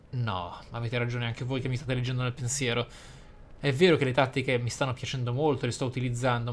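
Guy doing a game playthrough, mid pitched voice, kinda formal wordy talk, some noise behind. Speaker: video game let's player. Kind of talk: game commentary, reading skill descriptions aloud.

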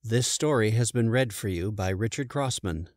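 An older man reading a children's story as a narrator, with clear, deliberate enunciation. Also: on the low side, lively intonation, darkish tone, no room sound, clean studio sound.

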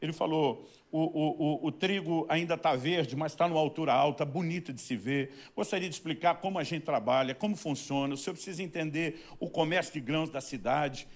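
A middle-aged man from Brazil, a pastor telling a story in a sermon, animated and rising loudly at the high points. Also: fairly quick, few pauses.

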